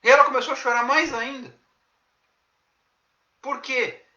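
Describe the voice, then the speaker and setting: A man preaching as a pastor, telling a testimony in an earnest, preacherly way with dramatic pauses. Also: very high voice, fairly even intonation, pushed and bright, muffled recording. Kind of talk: devotional testimony sermon. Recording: echoey room.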